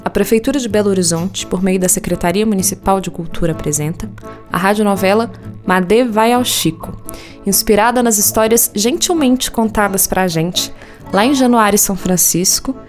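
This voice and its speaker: A woman's voice: medium pitch, moderate pace. A Brazilian woman reading scripted credits as the narrator of a radio serial. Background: music with plucked guitar.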